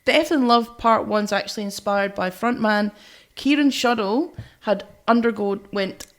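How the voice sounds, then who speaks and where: A woman's voice: mid-range voice, unhurried. A woman co-hosting a music podcast, chatting and reviewing in a blunt, teasing way with some swearing. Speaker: podcast co-host.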